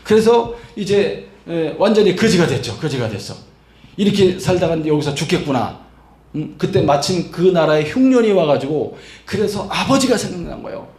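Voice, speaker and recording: Male pastor, high voice, emphatic sermon delivery, echoey church room. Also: big pitch swings, moderate pace, few pauses, a little mellow. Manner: emphatic, acts out quoted voices, fills with 막 and 응. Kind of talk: Sunday sermon. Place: church sanctuary.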